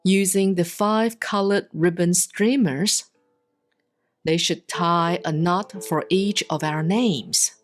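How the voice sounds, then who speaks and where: A woman reads Buddhist scripture as a monastic, in a solemn, measured and deliberate scripted style with pauses between phrases. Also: on the low side. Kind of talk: solemn scripted sutra recitation, audiobook-like reading. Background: soft plucked guitar-like music.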